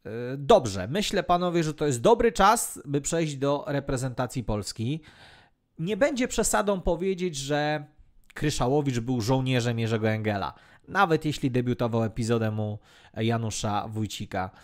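A man's voice: mid-range voice, expressive, normal speed. A man hosting a sports podcast, presenting in prepared, articulate sentences and steering the discussion. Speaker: podcast host.

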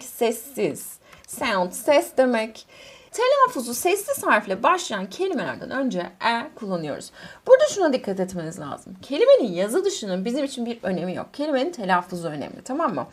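A woman from Turkey teaching English grammar in a lively, swooping voice that sits a little high. Her tone is somewhat husky. She reads English examples slowly and asks the class questions that she then answers herself.

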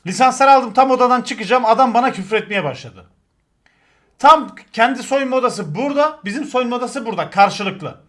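Swearing and acting out shouts, a man tells crude football stories to his stream chat in a casual, animated way. His voice is extremely high and his pace brisk.

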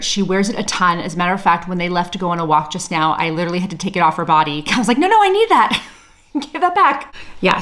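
A woman's voice: fairly low pitch, a bit bright. A woman in her thirties or forties, a mother and sewing vlogger, chatting casually and self-deprecatingly as she shows her makes, laughing often. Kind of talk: casual show-and-tell chat.

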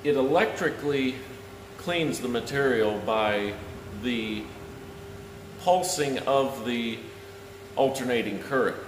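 A man in his thirties giving a measured, plain-spoken welding lesson to camera as the video's host, with pauses as he explains. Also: medium pitch. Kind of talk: instructional talk to camera. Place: large metal-walled welding shop, indoors. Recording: echoey workshop with clear background noise.

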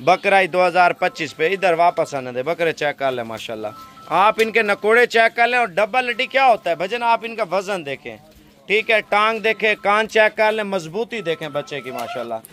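A young man from Pakistan, making a persuasive selling pitch to camera from an outdoor goat pen, filmed on a phone held at arm's length. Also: expressive, normal speed, sharp tone, soft background music. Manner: persuasive, salesy, heavy religious fillers. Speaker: goat farm seller.

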